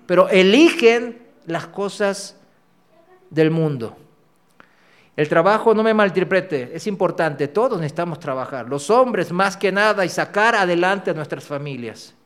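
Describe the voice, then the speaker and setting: A man preaching a sermon, talking straight to the congregation and acting out his own past voice. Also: sits high.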